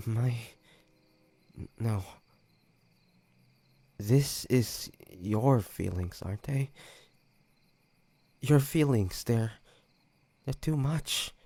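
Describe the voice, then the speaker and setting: A man playing a weary, protective demon hunter in a dramatic audio roleplay, with halting, emotional delivery. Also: medium pitch, animated, warm tone, heavily acted. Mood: anguished, pleading. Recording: roomy with long reverb.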